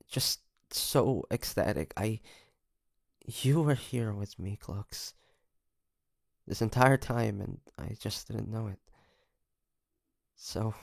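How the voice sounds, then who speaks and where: A man playing an earnest, tender young demon hunter in love, speaking softly and haltingly in an intimate romantic audio drama. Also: fairly low pitch, vocal fry, dry recording, clean studio sound, full character voice. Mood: happy, tender. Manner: hesitant, halting, soft-spoken with sighs.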